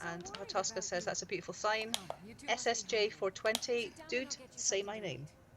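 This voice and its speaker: Through noticeable background noise, a woman with an Edinburgh accent speaks at a moderate pace in a fairly high pitch with lively intonation. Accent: Edinburgh Scottish. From Scotland, Edinburgh. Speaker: stream co-host reading chat. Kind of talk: casual chat, reading chat messages aloud.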